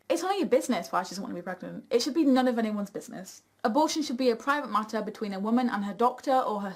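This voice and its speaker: A young woman chatting casually and candidly as co-host of a Q and A vlog. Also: a little high. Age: young adult.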